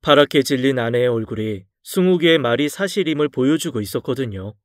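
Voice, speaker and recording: A man narrating a dramatized true story in a calm, confessional first-person way. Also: medium pitch, brisk, dry recording, studio quality.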